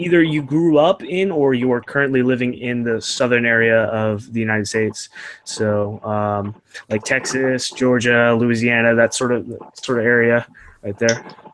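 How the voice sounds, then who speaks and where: Noticeable background noise accompanies a man speaking at medium pitch and a moderate pace with ordinary pitch variation. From Florida, US (early years in Alabama). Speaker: YouTuber demonstrating deduction. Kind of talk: livestream Q&A with video callers. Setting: livestream video call. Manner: hesitant, many fillers.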